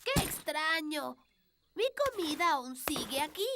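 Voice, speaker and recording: A woman's voice: sits high, lively intonation, a little slow, background noise. A woman voicing a friendly, eager little elf boy in a children's cartoon dub, childlike and earnest, with a Latin American Spanish accent.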